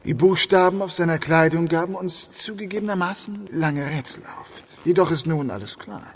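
An actor playing a determined detective inspector in a crime radio play, assertive and deliberate. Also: male voice, a little high, a little hiss or hum, lightly acted. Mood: confident, accusing. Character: determined, confrontational male police detective inspector. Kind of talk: German crime audio drama acting.

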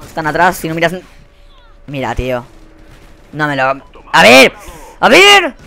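A young man with a Spanish accent commentating his own shooter gameplay, swearing a lot and quick to burst into angry shouts. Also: a little high, expressive, gravelly, soft background music. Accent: Spanish from Spain. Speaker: gaming commentator. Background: faint gunfire from the game.

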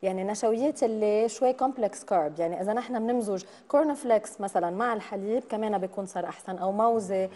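A woman's voice: medium pitch, very fast, few pauses, warm tone. A woman in her thirties with a Lebanese accent, explaining nutrition as a studio guest on a TV talk show and dropping English terms in. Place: bright TV studio.

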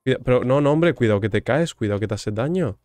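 Gamer guy joking around w the villagers, mostly mumbling low, dry close mic. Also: lively intonation, quick pace, darkish tone, no room sound, faint music behind. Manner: joking, teasing, chatty with game characters. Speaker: gaming streamer. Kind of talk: casual gameplay commentary.

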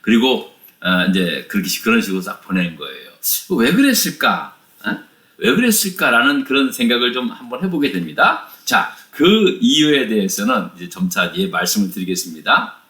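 A man, a pastor, teaching a Bible study lesson with animated storytelling and frequent rhetorical prompts to his listeners. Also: lowish voice, normal speed. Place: church room. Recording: echoey room.

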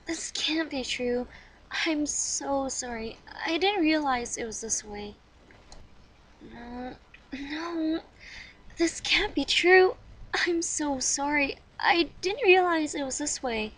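A woman playing a soft-hearted, subdued young girl with a hushed, tender delivery for an audition. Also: sits high, slow, recorded from a distance, rough recording. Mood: remorseful.

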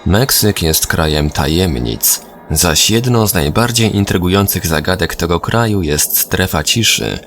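A man narrating a scripted documentary audiobook in speech, with a measured, formal delivery. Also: low-pitched, expressive, fairly bright tone, slight background noise.

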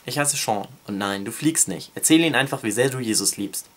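A man's voice: medium pitch, animated, a little fast, lightly acted. A man reading aloud the lines of a cocky, teasing young schoolboy in a book excerpt, in a slightly raised, breezy voice.

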